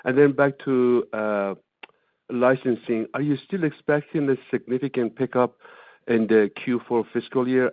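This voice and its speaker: A man's voice: fairly low pitch, dry recording. Man on a dry, narrow phone line. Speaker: financial analyst asking questions. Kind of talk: earnings call question. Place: phone call.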